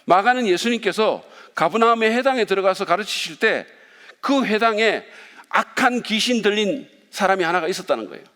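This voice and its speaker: A man's voice: high voice, animated, a little fast, a bit bright. A male pastor preaching a sermon, playful and speaking directly to the congregation. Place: church sanctuary. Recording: long reverb of a church hall.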